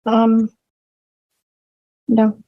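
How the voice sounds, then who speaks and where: A woman's voice: a little high, monotone, drawn-out words, highs cut off. A woman speaking as a defendant in a courtroom recording, giving short, polite answers to a judge. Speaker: defendant representing herself.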